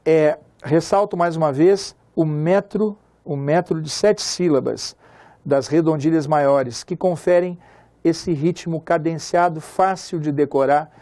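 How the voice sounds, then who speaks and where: A male teacher with a Brazilian Portuguese accent gives a chatty literature lesson, often checking that his listeners follow along and slowing down to recite lines of verse. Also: a little high, warm tone. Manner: chatty, asks class for agreement; slows to recite poem lines.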